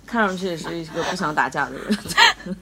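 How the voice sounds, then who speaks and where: Woman co-host, lively storyteller with a swooping voice who laughs a lot. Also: on the low side, a little slow, very noisy. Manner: animated storyteller, laughs often. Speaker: podcast co-host. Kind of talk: casual chat, storytelling.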